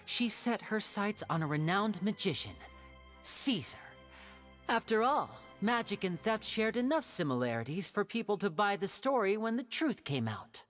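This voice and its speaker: A shrewd young magician from a video game, with a theatrical and wry delivery. The mid-pitched voice is measured yet lively in its swings, over light music. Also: female voice. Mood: dramatic storytelling. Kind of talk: video game voice acting, dramatic storytelling.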